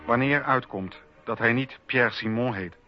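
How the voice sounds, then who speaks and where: A man narrating a scripted radio documentary in a measured, formal storytelling manner on a lo-fi recording. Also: mid-range voice, faint music behind.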